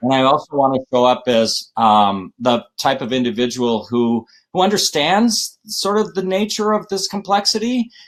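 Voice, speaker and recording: With an American accent, a man talks at a moderate pace in a fairly high pitch, his voice swinging very widely in pitch with hardly any pauses. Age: 60s. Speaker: mayor and political candidate. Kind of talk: interview.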